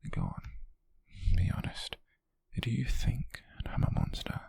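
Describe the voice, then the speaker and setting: A British man playing a possessive, softly menacing rich captor in an intimate ASMR roleplay, murmuring in a breathy, husky voice with slow, coaxing deliberation. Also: mid-range voice, wildly swooping pitch, dry recording, exaggerated voice. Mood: coaxing menace. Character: possessive, softly menacing wealthy male captor, obsessive and doting. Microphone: close microphone, dry.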